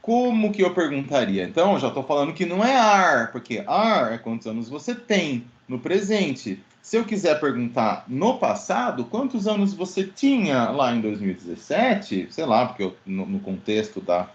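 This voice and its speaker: A man's voice: on the high side, normal speed, hardly any pauses. A man teaching an online English class, explaining grammar and quizzing students by name. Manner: lively, questioning, addresses students by name. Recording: dull lo-fi audio.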